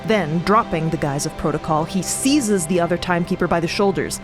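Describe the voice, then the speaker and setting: A woman's voice: fairly low pitch, a little fast, music in the background. A woman co-narrating a fantasy audio drama in a dramatic, scripted style.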